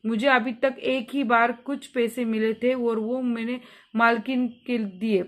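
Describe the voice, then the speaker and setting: Woman as timid tearful young governess, high shaky voice. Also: steady tone, unhurried, a bit bright. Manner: meek, trembling voice.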